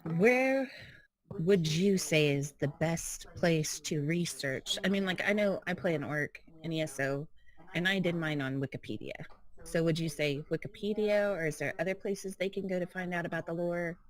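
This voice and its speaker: A woman's voice: lowish voice, moderate pace. A woman co-hosting a gaming podcast, asking questions in a hesitant, polite way. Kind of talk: casual chat.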